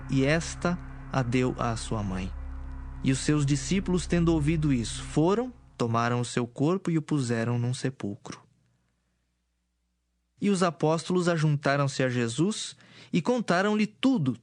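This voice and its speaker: Higher-pitched man narrating scripture solemnly. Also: darkish tone. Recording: music behind.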